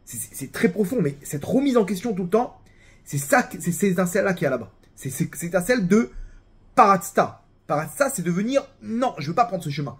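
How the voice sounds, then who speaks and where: A man with a French accent giving a casual religious talk, animated and full of restarts and repeated words. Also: high voice, brisk, husky.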